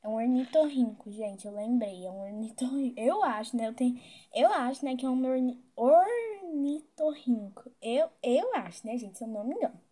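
A woman's voice: a little high, brisk, warm tone. A woman with a Brazilian Portuguese accent, chatting casually to viewers while role-playing in a game. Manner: chatty, keeps addressing viewers. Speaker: game vlogger.

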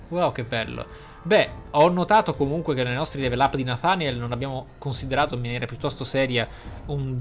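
A man giving casual gameplay commentary in a theatrical way, with flowery wording and exclamations. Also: mid-range voice. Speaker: gaming video host. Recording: music behind the voice. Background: game music.

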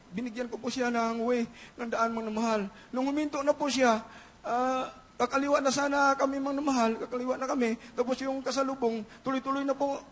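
A middle-aged man giving a church testimony with fervent, repeated hallelujahs and frequent shouting. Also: extremely high pitch. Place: large church hall.

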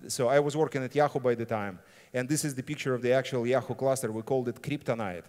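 A man's voice: medium pitch, steady tone, fast talker, a little mellow. A middle-aged man, a non-native English speaker, giving an informal, blunt conference talk and often checking in with "right?". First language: not English. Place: on stage in a large conference hall. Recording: reverberant hall sound system.

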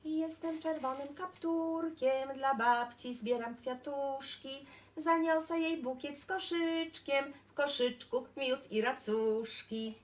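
A woman's voice: very high-pitched, very animated, slow pace, a bit bright, exaggerated voice. Little Red Riding Hood, voiced by a woman. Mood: singing. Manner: sing-song and childlike. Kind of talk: improvised storybook role-play.

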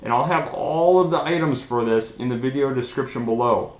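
A man's voice: mid-range voice, brisk, muffled recording. A young man giving a casual, informal hands-on tutorial, sitting at a table indoors. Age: young adult. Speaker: DIY tutorial host. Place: small indoor room at a table. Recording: echoey room.

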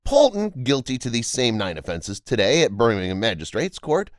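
Man narrating with a lively, swooping read. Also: medium pitch, normal speed, no room sound, clean studio sound. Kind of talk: scripted documentary narration.

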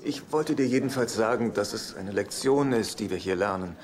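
A man's voice: lowish voice, normal speed, a little mellow, close to an everyday voice. An actor playing an earnest, moralizing man in a German-dubbed sitcom, speaking in a preachy manner. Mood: solemn, preachy.

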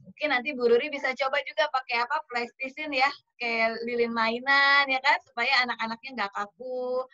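Woman expert for a parenting class: slightly high, bright voice, patient and methodical, heard through a video call. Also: steady tone. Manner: measured, explains with lists of examples. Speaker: child development practitioner. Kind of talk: explaining to parents. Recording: dull video-call audio.

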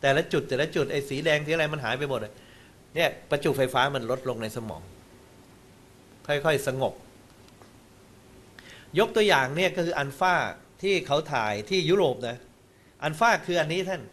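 A man giving a Buddhist dharma talk on television, explaining ideas in a lively, exclamatory way and slipping in English terms. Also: on the high side.

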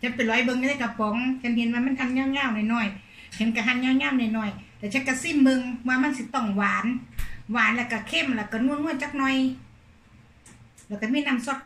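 A woman's voice: a little high, normal speed. Chatty Isan-accented woman, echoey room. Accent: Isan (Northeastern Thai). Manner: chatty, animated storytelling with laughs. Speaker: vlogger. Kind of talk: casual storytelling chat.

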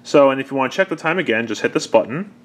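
A man gives a casual, unscripted walkthrough at a middling pitch. He explains each step conversationally, as if showing a gadget to viewers at home. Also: expressive, rapid-fire, a bit bright. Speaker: presenter demonstrating an old answering machine. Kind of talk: casual unscripted product demonstration.

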